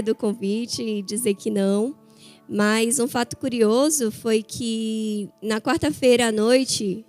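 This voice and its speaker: A woman's voice: on the high side, a little mellow. A woman in her thirties from Bahia with a Bahian accent, preaching a chatty, story-filled sermon to a church. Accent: Bahia Portuguese. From Bahia, Brazil. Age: 30s. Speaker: guest preacher.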